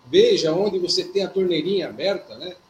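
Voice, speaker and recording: Over noticeable background noise, a man with a high-pitched voice talks at a moderate pace with lively intonation. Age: 50s. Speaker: HR consultant and speaker. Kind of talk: radio talk show discussion.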